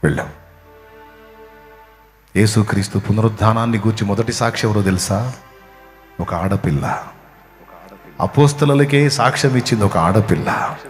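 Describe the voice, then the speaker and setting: A man with a Telugu accent preaching a sermon. He acts out the quotes and swings from low murmurs to loud cries. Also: normal speed, long pauses, soft background music. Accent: Telugu, Andhra.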